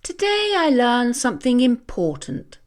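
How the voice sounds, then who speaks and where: A hot-tempered little she-cat from a storybook, acted out by a woman. Her high voice swoops around dramatically, and she draws her words out slowly. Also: huge pitch swings. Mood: content. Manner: exclamatory, dramatic. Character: fiery, hot-tempered female pet cat. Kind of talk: children's storybook character voice.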